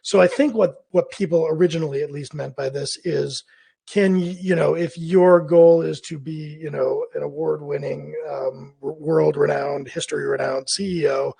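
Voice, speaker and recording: A man with a slightly high, raspy voice talks through freelance business questions in a loose, casual monologue. He sounds hoarse and scratchy as he recovers from laryngitis. He often stops to rephrase and correct himself mid-thought. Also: fairly even intonation, normal speed, warm tone. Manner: rambling, thinking aloud with frequent self-corrections. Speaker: freelance business advice host.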